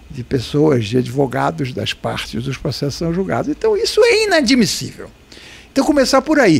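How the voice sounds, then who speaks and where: Moderate-paced speech from a man, noticeable background noise in the background. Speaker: lawyer. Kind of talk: podcast interview.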